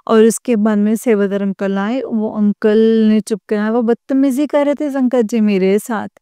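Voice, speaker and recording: A woman's voice: medium pitch, fairly even intonation, normal speed, mellow, clear, resonant tone, dry recording, studio quality. A young woman earnestly telling a personal story to a religious congregation, addressing her listeners again and again. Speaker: devotee sharing experience.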